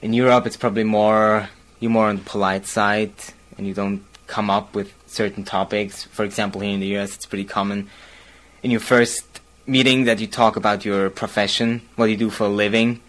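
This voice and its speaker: Young Swiss German man, low-pitched. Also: little pitch movement, fairly bright tone. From Basel, Switzerland. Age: young adult. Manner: chuckles often between phrases; hesitant, frequent pauses and fillers. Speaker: university student. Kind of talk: read passage then casual monologue.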